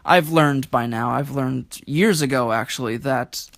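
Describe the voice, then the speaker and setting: A man's voice: mid-range voice, a little slow, gravelly, fairly bright tone, no room sound. A man speaking in an earnest, reflective way as a guest poet. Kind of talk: earnest conversational talk and poetry reading.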